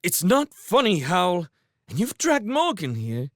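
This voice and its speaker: A man's voice: high voice, huge pitch swings, unhurried, a bit bright, dry recording, clean studio sound, voice pushed up, heavily acted. A man voicing a fierce, outraged mother scolding in an audiobook. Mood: passionate, scolding. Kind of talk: audiobook character voice.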